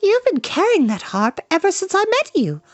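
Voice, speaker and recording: Man putting on a high, pert young woman. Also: huge pitch swings, no room sound, faint music behind, exaggerated voice. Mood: pert scolding. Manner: brisk, pert, pointed. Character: spirited, scolding young woman in a storybook.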